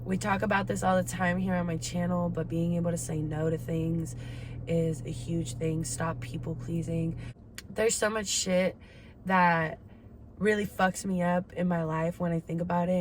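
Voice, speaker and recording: A woman's voice: lowish voice, little pitch movement, moderate pace, darkish tone. A woman in her twenties talking candidly in a casual confessional chat, slangy and swearing freely. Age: 20s. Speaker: vlogger. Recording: clear background ambient noise.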